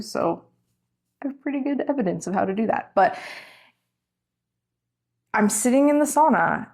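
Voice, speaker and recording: A woman in her thirties, telling a long story to camera in a rambling, chatty way, often yawning. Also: medium pitch. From Canada. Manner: rambling and chatty, full of "like" and self-corrections. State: yawning, has an ear infection. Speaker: vlogger. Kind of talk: casual storytelling vlog.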